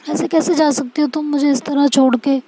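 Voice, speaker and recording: A woman's voice: high-pitched, fairly even intonation, normal speed, background noise. A woman voicing a young woman who pleads with her partner and grows upset, in a storybook reading. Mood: pleading. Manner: pleading, tearful-sounding, rising to shouts.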